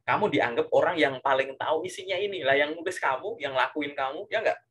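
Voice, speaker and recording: A man giving casual career coaching, animated and full of rhetorical questions and filler tags. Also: on the high side, fairly quick, husky.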